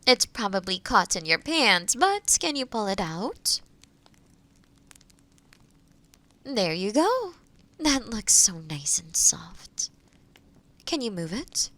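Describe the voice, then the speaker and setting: A woman playing a kind, gentle witch in a fantasy audio roleplay, speaking to the listener in a reassuring, explanatory way. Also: medium pitch, big pitch swings, slow, full character voice. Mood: tender, delighted. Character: kind, gentle forest witch guiding a transformation.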